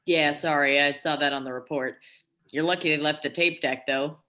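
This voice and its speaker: A woman's voice: deep voice, fairly even intonation, moderate pace, bright, forceful tone. A woman playing a matter-of-fact, unbothered police officer in a table read. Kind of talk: amateur virtual table read.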